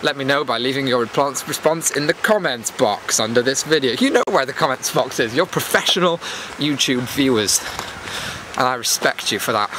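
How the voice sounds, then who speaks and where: A man's voice: medium pitch, lively intonation, normal speed. Chatty man vlogging over outdoor background noise. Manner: chatty, self-deprecating, jokey asides. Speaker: YouTube host. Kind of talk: casual rambling vlog chat to viewers. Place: outdoors, walking in a public area. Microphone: handheld camera. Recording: clear outdoor background noise while walking.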